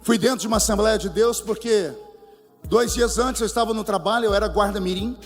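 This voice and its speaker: A man preaching a testimony sermon, telling the story in a lively way, mimicking voices and breaking into song. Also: sits high, a little fast, in a large hall, soft background music. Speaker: pastor. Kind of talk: sermon testimony with acted dialogue.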